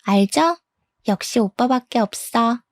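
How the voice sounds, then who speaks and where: 여자가 연기하는 애교 부리는 젊은 알바생. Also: female voice, a little high, animated, measured pace, no echo, clean studio sound. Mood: coy. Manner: coy, wheedling. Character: young female part-time worker, clingy and coy.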